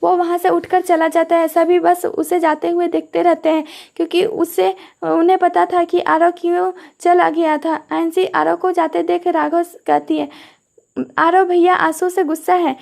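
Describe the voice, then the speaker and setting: A woman narrating an audio story with a very high, gravelly voice. Her delivery is flat and steady, with little rise and fall in pitch. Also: normal speed, hardly any pauses.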